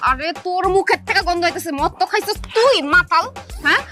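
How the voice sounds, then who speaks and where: Actress as shrill, scolding angry wife, very high-pitched. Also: female voice, quick pace. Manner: loud, accusing, exclamatory. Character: angry, scolding woman protecting her deaf-mute husband. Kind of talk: Bengali comedy skit acting. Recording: music behind the voice.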